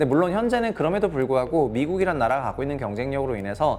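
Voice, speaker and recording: Very wide pitch swings mark this very fast delivery, with noticeable background noise behind it. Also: man. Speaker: book reviewer and real estate YouTuber. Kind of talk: book review monologue.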